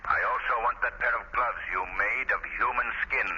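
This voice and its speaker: Forceful, sinister 1930s radio avenger. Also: male voice, medium pitch, steady tone, a little fast. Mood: menacing, mocking. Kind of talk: 1930s radio drama acting. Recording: muffled, faintly noisy 1930s radio recording.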